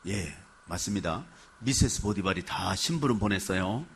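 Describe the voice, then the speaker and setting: A male pastor preaching a sermon, telling the story with animated flair and putting questions to the congregation. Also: low-pitched, moderate pace, breathy edge.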